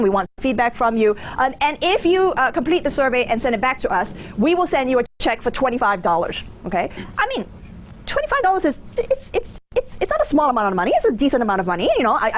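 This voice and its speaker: A woman in her thirties with a mixed Singaporean and American accent, giving an informal, conversational lecture. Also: high voice. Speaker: business school lecturer. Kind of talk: interactive lecture with anecdotes. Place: lecture theatre with audience. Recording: background noise of a lecture room.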